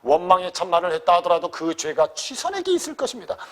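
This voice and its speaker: A man's voice: high-pitched, very animated, fast. A man reading as a pleading dutiful young son. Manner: pleading, formal and respectful.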